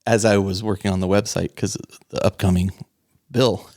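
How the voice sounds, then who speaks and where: Male podcast co-host, lowish voice, chatty and enthusiastic, dry close mic. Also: fairly even intonation, moderate pace, darkish tone, no room sound. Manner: enthusiastic, laughs often, rambling restarts. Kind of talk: casual hobby podcast chat.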